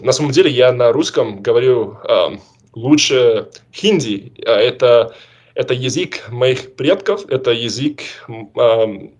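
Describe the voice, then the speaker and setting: A young man hosting a casual conversation, asking questions and steering the talk. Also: mid-range voice.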